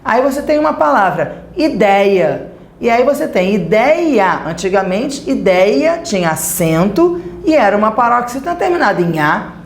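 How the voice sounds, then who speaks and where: A woman's voice: mid-range voice, sing-song, normal speed, reverberant, a little hiss or hum. A woman with a Brazilian Portuguese accent, teaching a recorded grammar lesson and checking in with the class as she explains.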